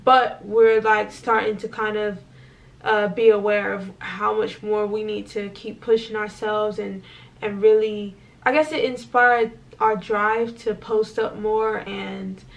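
A woman's voice: mid-range voice, flat delivery, a little slow, creaky, far from the mic. A young woman vlogging in casual chat, talking with many fillers and acted quotes, in a small indoor room. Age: young adult.

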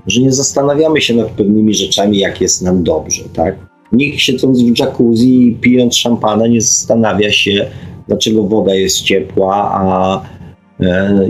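Heard on a rough recording, a middle-aged Polish man with a fairly low voice hosts an unscripted radio monologue. He muses and reads out listener comments hesitantly, with a habit of ending phrases in a questioning tag.

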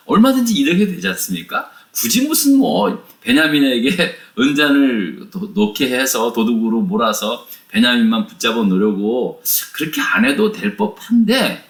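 Animated male pastor teaching scripture. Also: sits low. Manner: animated storytelling, frequent rhetorical "예?". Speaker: pastor teaching Bible study. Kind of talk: Bible study lesson. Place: church room. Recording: echoey room.

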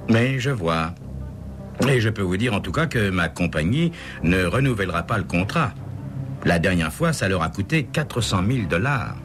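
Man as a composed insurance investigator, measured speech, low voice, lively intonation. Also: over music.

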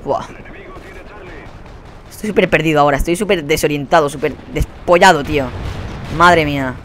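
A young man with a Spanish accent commentating his own shooter gameplay, swearing a lot and quick to burst into angry shouts. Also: fairly high pitch, slight background noise. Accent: Spanish from Spain. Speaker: gaming commentator. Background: faint gunfire from the game.

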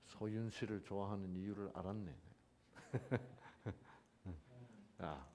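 A man teaching a Bible class, quizzing his listeners with constant prompting questions and swinging between dramatic outbursts and soft asides. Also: on the low side, lively intonation, slow, a little hiss or hum. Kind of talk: interactive Bible lecture to a class.

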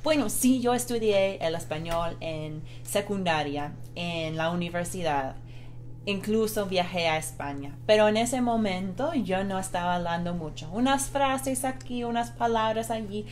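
A woman's voice: medium pitch, animated, a little slow, soft background music. A woman co-hosting a live Spanish lesson, speaking Spanish as a second language with a foreign accent and an earnest manner. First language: not Spanish. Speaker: Spanish teacher and co-host.

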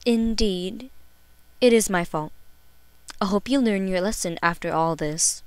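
A woman's voice: medium pitch, a little slow, clean tone, no echo, close to an everyday voice. A woman voicing an earnest young fairy-tale heroine in an audition. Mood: resigned. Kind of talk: amateur character audition.

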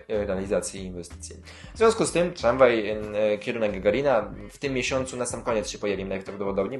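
A man hosting a casual news roundup, rambling with filler sounds and self-corrections, and dropping dry sarcastic asides. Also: fairly low pitch. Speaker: YouTube host covering city transit news.

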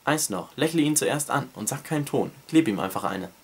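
A man's voice: mid-range voice, expressive, a little fast, husky, pitched above the performer's own voice. A man reading aloud the lines of a cocky, teasing young schoolboy in a book excerpt, in a slightly raised, breezy voice.

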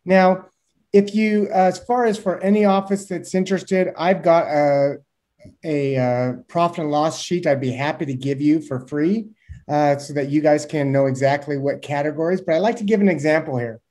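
Man, 30s, mellow warm tone, animated explainer, webcam audio. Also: on the high side, normal speed. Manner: animated, gestures with hands, uses homely examples. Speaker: guest expert. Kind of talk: explaining to a host in a video call interview. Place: small room indoors. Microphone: webcam on a video call.

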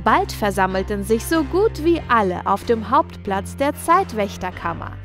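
A woman's voice: mid-range voice, very animated, normal speed, music in the background. A woman narrating a scripted children's story as its storyteller.

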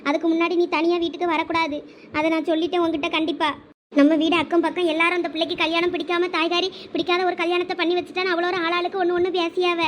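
A woman's voice: very high voice, little pitch movement, racing, a little hiss or hum. A woman with a Thoothukudi Tamil accent performing village family comedy drama dialogue, chatty, scolding and coaxing.

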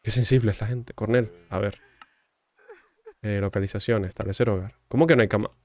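A man casually commenting on his gameplay, teasing and chatting with the game's characters in a low murmur. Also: fairly even intonation, fairly quick, darkish tone. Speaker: gaming streamer.

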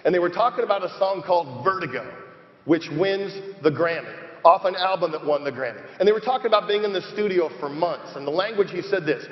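A middle-aged man giving an energetic motivational keynote on a conference stage, repeating phrases and firing questions at the crowd. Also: sits high, brisk, muffled recording. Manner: emphatic, repeats phrases, asks the crowd questions, leads chants. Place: large conference hall on stage. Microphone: headset mic. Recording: live hall with long reverb.

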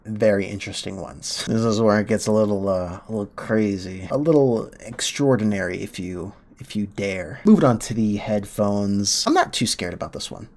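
Sniffly young man with a deep voice. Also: normal speed, hardly any pauses. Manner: lively, laughing, rambling reactions. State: sniffly from a cold. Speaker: gaming channel host. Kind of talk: casual game commentary. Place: home room, indoors. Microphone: headset mic.

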